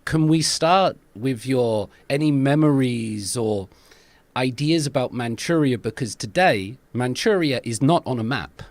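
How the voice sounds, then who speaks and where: A man's voice: mid-range voice, animated, unhurried, no room sound. A man hosting a podcast, asking curious and encouraging questions of an older guest. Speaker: podcast host. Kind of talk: interview.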